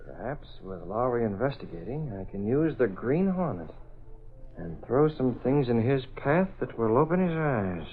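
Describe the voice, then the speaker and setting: An actor playing a composed male newspaper publisher who is secretly a masked hero, in a measured, authoritative 1930s radio drama style, on a tinny old recording. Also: mid-range voice, very animated, lightly acted. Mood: calm.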